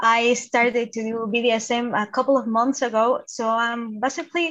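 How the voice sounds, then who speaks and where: A woman speaks with a Spanish accent. Her pitch is fairly high. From Chile, Santiago. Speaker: illustrator and concept artist. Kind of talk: casual interview chat.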